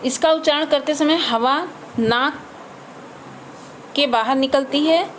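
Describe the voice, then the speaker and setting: A woman with a somewhat high voice teaches a grammar lesson very slowly, sounding out each letter and example word in turn. Faint background noise sits under the recording. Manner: slow, spelling out letters and examples one by one.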